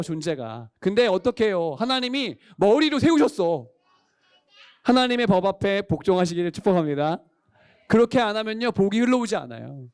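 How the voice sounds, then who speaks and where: A man's voice: high-pitched, a little mellow, clear, resonant tone, dry recording, clean studio sound. A male pastor preaching a sermon, quizzing the congregation and calling for amens. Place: church worship service.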